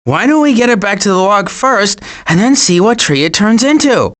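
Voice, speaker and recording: A man voicing a cautious, anxious adult male turtle in an animated video game, fretful and wry with deadpan sarcasm and stammers. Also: sits high, moderate pace. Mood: wry, doubtful.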